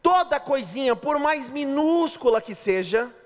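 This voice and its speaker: A Brazilian pastor preaching with a high, animated voice that jumps all over the place. He jokes and acts out husbands and wives as he goes. The sound carries a long reverb from a large hall. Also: measured pace. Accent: Brazilian Portuguese. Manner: lively, joking preacher acting out spouses' lines. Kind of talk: sermon.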